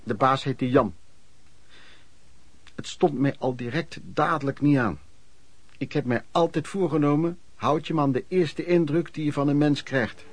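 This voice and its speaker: A man's voice: a little high, a little slow. An actor in a Dutch radio play playing a wry, plain-spoken pedlar recounting his wanderings. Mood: matter-of-fact. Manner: colloquial, matter-of-fact storytelling. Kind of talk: dramatised first-person narration.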